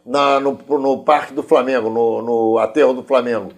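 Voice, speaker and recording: A Brazilian man speaks as the host of a television interview. His pitch sits in the middle range for a man, and he questions and comments in a conversational way. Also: steady tone, moderate pace.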